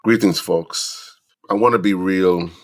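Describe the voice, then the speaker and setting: A middle-aged man with an extremely deep, low voice, audibly stuffy and congested from a cold. He speaks in an earnest, somewhat preachy way, counting off ideas in slow deliberate lists as he addresses other fathers on his podcast. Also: fairly even intonation, faint music behind. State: stuffy from the flu. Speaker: podcast host. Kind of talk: reflective monologue to fathers.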